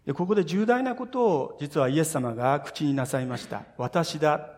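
A man's voice: a little high, normal speed, darkish tone. Earnest male pastor preaching in a reverberant hall. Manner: earnest storytelling, speaks directly to listeners, voices scripture quotes. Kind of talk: sermon. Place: church sanctuary. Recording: long reverb of a church hall.

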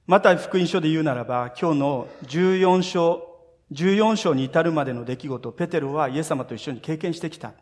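A man's voice: on the high side, a little fast. A male pastor giving a sermon, telling the story with earnest feeling and speaking straight to his listeners. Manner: earnest storytelling, speaks directly to listeners, voices scripture quotes. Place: church sanctuary. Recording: long reverb of a church hall.

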